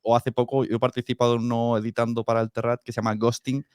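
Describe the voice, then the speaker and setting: A man's voice: mid-range voice, level tone, fast, darkish tone, smooth, no room sound, studio quality. A man with a Peninsular Spanish accent chatting casually and colloquially as a podcast host. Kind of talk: casual chat.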